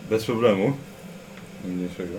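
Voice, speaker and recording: Low-voiced hesitant male player. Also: measured pace. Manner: hesitant, many fillers. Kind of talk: casual tabletop game play. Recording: noisy recording.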